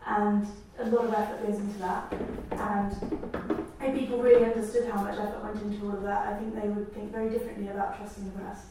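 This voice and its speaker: A woman journalist speaks firmly on a discussion panel. Her tone stays flat and level. The distant sound rings through a very echoey hall with a faint hiss. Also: mid-range voice, fast.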